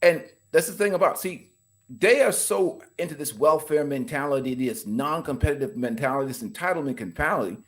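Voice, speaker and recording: This Bahamian podcast guest has a fairly high-pitched voice and talks fairly quickly. He's casual and opinionated, speaking emphatically and with animation, often laughing mid-sentence.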